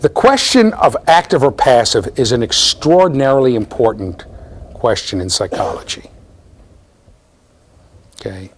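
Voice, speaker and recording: Middle-aged male professor, lively classroom lecturer, mid-range voice, keeps checking in with students. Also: medium pitch, a little slow, long pauses, breathy edge. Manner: animated, explaining with frequent "okay?" and "right?" checks. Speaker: university lecturer. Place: classroom with bookshelves.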